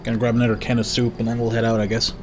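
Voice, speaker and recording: A man's voice: mid-range voice, monotone, rapid-fire, over music. A man whose first language is Swedish, chatting easygoing with a friend during a co-op game, cracking dry jokes. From Sweden. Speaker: co-op player. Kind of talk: casual co-op gameplay chat.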